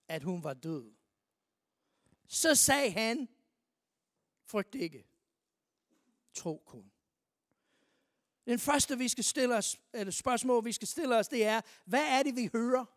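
A preacher giving a sermon, reading scripture aloud and asking the listeners repeated rhetorical questions, moving between quiet reading and loud, emphatic stresses. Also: medium pitch, dry recording, studio quality.

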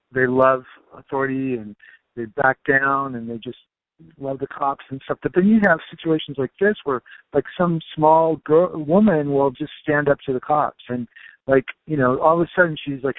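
A man's voice: medium pitch, steady tone, moderate pace, no echo. A man muses loosely in casual chat, full of filler words. His voice sounds dry and thin, as if over a phone line. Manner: musing, loose, many fillers.

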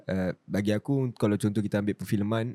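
Low-voiced man hosting, dry sound. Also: fairly even intonation, fast talker, warm tone, dry recording. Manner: teasing, asks long framed questions. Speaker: host. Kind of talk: casual chat.

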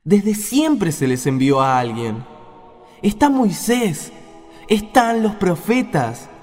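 A man's voice: high-pitched, very animated, a little mellow, soft background music, heavily acted. A man as solemn Abraham in long reverb. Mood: stern. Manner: solemn, measured. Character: solemn old patriarch Abraham, stern and unyielding. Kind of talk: radio play parable.

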